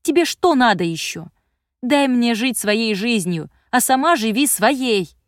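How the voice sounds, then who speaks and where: A woman reading a story aloud, voicing a resentful teenage daughter with sharp, indignant lines. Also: expressive, unhurried, dry recording, clean studio sound. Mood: defiant. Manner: indignant, accusing, higher than her narration.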